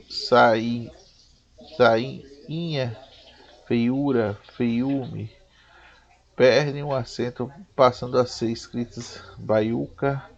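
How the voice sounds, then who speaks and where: A Brazilian man reading a spelling lesson aloud slowly and haltingly, restarting words as he goes through long lists. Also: mid-range voice, gravelly. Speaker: teacher. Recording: dull lo-fi recording.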